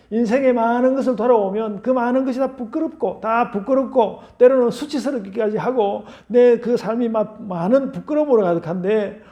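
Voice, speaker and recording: With audible room echo, a man with an extremely high pitch talks at a moderate pace and ordinary pitch variation. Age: 60s. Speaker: pastor. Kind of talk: sermon. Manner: repetitive, halting with self-corrections.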